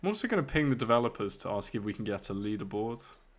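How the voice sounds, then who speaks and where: A man with a British accent on a very clean recording with a silent background. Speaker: AI security streamer. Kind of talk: live gaming stream commentary. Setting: live stream.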